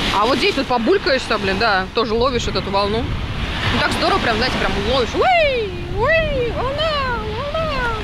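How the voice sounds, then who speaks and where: Over loud background noise in a dry sound with no echo, a woman speaks at a moderate pace in an extremely high pitch, her pitch swinging very widely while her loudness stays very even. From Russia, Nizhny Novgorod; Russia. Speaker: vlogger. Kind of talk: casual vlog chat. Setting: outdoors on a beach. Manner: animated. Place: beach. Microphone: phone near.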